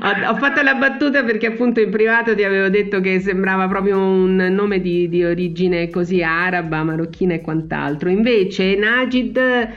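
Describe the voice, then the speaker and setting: A man's voice: high voice, normal speed, few pauses. A man hosting a conversational interview in a chatty, joking, encouraging way. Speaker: interviewer, show host. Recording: dull lo-fi sound.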